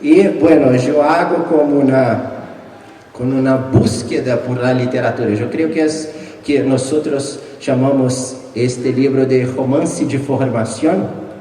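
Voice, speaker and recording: A man in his forties, a native Portuguese speaker from Brazil, presenting his book at a live panel, halting and joking with frequent restarts and chuckles. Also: mid-range voice, mellow. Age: 40s. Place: large hall with long reverb. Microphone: distant from the mic. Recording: echoey hall, far from mic.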